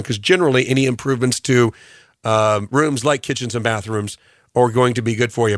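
A man hosting a morning radio show, his voice hoarse from allergies, rambling through tips with lots of ums and uhs. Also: medium pitch, no room sound, studio quality. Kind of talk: radio show recap, casual talk. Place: radio studio.

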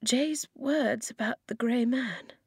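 A woman voicing an earnest young girl in a children's audiobook, her voice faded to a breathy, forced whisper. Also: a little high, slow pace, no echo, clean studio sound, pitched above the performer's own voice, full character voice. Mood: hushed realization. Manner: hushed, earnest, straining to be heard.

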